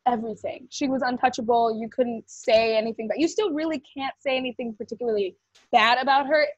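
A woman's voice: a little high, fairly even intonation, fairly quick, dry recording. A young woman co-hosting a casual video call chat, rambling with many fillers. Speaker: co-host. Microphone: webcam on video call. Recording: dull, dry webcam audio.

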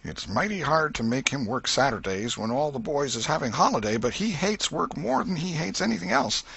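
A man voicing a gravelly, scolding old aunt. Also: on the high side, sing-song, a little fast, fairly bright tone, voice pushed up, full character voice. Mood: fretting. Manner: scolding, exclaiming, folksy dialect. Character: fussy, soft-hearted old aunt, scolding.

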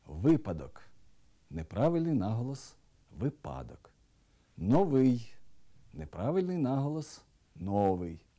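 Dark-voiced man teaching word stress. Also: medium pitch. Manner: clear, deliberate, drilling word pairs with stressed contrasts. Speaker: language teacher. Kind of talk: scripted educational narration.

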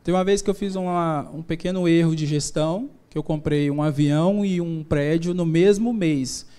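A man's voice: a little high, moderate pace, warm tone, clean tone. A man giving a live motivational talk to an audience, informal and joking, mixing faith, business stories and slang. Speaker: business speaker. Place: event stage before an audience.

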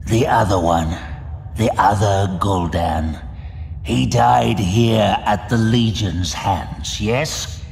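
A man voicing a proud, scheming orc warlock in a fantasy audio drama, deliberate and menacing. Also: on the low side, creaky, darkish tone, a little hiss or hum. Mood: probing.

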